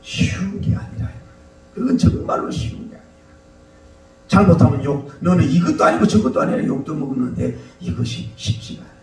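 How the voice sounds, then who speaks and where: A male pastor preaches with an animated, swooping delivery and a gravelly edge to his voice. He is recorded from a distance in a roomy church hall, with faint noise underneath. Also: on the high side, fairly quick. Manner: animated, shouts mock slogans, storytelling. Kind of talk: sermon.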